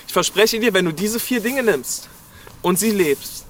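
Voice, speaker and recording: A man's voice: high-pitched, animated, measured pace, fairly bright tone, slight background noise. A man from Berlin preaching a sermon and speaking directly to listeners, urging them with frequent calls of "hey". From Berlin, Germany. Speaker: pastor. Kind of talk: New Year sermon.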